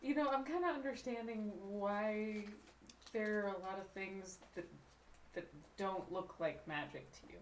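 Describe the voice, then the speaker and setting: A woman's voice: medium pitch, measured pace, a little hiss or hum. Dry-witted woman, distant and echoey. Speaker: player. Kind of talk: casual tabletop game chat. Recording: echoey, from off the mic.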